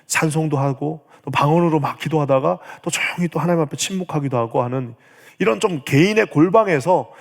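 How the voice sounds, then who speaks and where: Animated pastor preaching in a reverberant church. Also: male voice, mid-range voice. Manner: animated, acts out prayers in quoted voice. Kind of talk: sermon. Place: church sanctuary.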